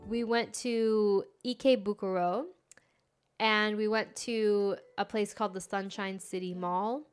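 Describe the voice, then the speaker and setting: A young woman whose first language is Farsi, hosting a live stream in a relaxed, chatty way. She giggles a lot and fills her talk with small fillers. Her voice sits at an ordinary middle pitch, with soft music playing faintly behind her. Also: unhurried, clear, resonant tone. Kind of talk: casual live-stream chat.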